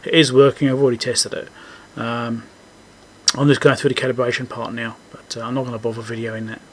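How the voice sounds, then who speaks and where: A man with a mid-pitched voice talks through electronics repair in a casual way. He pauses and restarts as he thinks aloud, unscripted. There is faint noise behind his voice. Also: flat delivery. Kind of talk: casual unscripted technical walkthrough.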